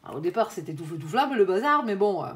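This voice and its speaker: A woman's voice: medium pitch, big pitch swings, fast talker. A woman giving a casual tarot reading to her viewers. She talks in a loose, colloquial way, fills her speech with little tag words, and thinks aloud and corrects herself as she turns over cards. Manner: chatty, colloquial, full of "hein" and "euh" fillers, addresses the viewer as "mon ange"; thinks aloud while turning cards, with self-corrections and laughs. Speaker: tarot reader.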